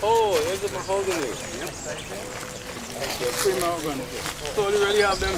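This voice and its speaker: A man's voice: high-pitched, normal speed, very noisy. A man chatting casually and easily outdoors. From Barbados. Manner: casual, easygoing. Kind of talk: casual chat. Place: outdoors in botanic gardens. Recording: outdoor field recording with loud crowd. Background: loud crowd.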